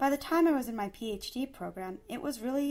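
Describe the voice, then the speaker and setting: The woman has an unremarkable speaking voice. Her intonation is lively and her pace moderate. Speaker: academic podcast host. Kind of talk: scripted personal reflection.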